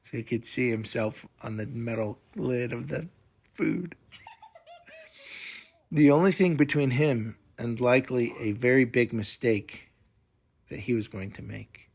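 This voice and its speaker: Expressive man reading a bedtime story. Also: medium pitch, measured pace, vocal fry, pauses often, slightly rough. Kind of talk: reading a children's bedtime story aloud, with asides to a listener.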